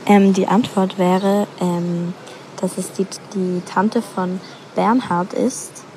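A woman's voice: mid-range voice, steady tone, takes it slowly, darkish tone, a little hiss or hum, rough recording. A sixteen-year-old girl, leaving an informal voice message as a quiz listener. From Switzerland. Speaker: listener sending a quiz question.

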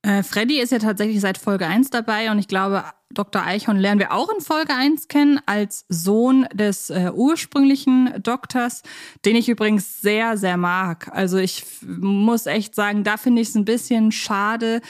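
A woman's voice: mid-range voice, normal speed. Woman chatting casually as podcast co-host. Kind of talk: casual chat about children's audio plays.

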